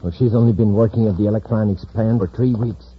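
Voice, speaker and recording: An actor playing a scheming male criminal boss in a 1950s radio drama, giving brisk orders. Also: on the low side, fairly even intonation, highs cut off, close to an everyday voice. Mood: commanding. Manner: brisk, commanding. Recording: hissy old radio transcription.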